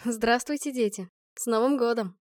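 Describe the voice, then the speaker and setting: A woman voicing a warm, teasing middle-aged mother in a storybook reading, speaking softly and unhurriedly. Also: fairly high pitch, moderate pace, no echo, clean studio sound, close to an everyday voice.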